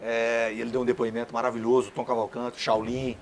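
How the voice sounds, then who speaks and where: A man, a comedian, chatting quickly as a guest and laughing along at his own jokes. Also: medium pitch, little pitch movement, a little hiss or hum. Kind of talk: talk show conversation.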